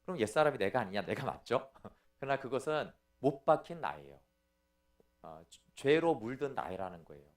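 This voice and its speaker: A man's voice: mid-range voice, big pitch swings, moderate pace. A middle-aged man, a pastor, giving a teaching sermon in an explanatory way and often checking in with his listeners. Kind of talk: sermon lecture.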